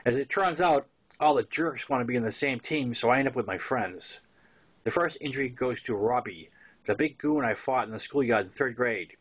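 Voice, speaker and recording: A man's voice: mid-range voice, animated, moderate pace, breathy edge, dull audio. A man in his sixties with a Boston accent reads his own memoir aloud in a conversational storytelling manner, with casual asides. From Massachusetts, US. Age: 60s. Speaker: author reading his own novel.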